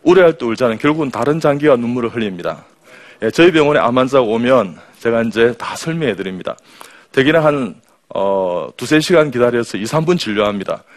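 A man who is a surgeon and professor, giving a humorous health talk to an audience, reeling off rhythmic word lists and coaxing reactions from the crowd. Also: mid-range voice. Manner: jokey, rhythmic word lists, quotes patients in their voices.

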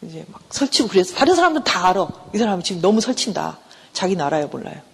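With a lowish, gravelly voice that carries a breathy edge, a very animated middle-aged woman professor delivers a casual university lecture on counseling. She answers her own questions to the class and plays out short everyday exchanges in shifting voices, recorded in a hall with long reverb.

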